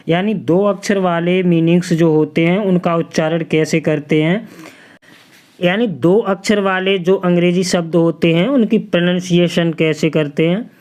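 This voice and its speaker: Slow, patient male English teacher. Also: high voice, a little mellow. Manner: spells each word letter by letter, then repeats the answer. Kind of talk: spelling-and-pronunciation lesson.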